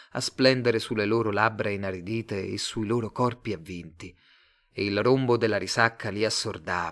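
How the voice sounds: The speaker uses a natural reading voice.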